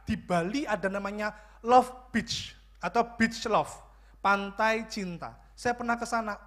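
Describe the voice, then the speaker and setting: A male pastor, preaching a lively sermon full of jokes and questions to the congregation. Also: high-pitched. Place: church.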